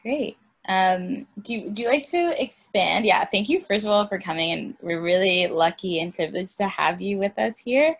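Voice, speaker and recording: A woman moderating an online panel over a video call, halting, with many ums and likes. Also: mid-range voice, expressive.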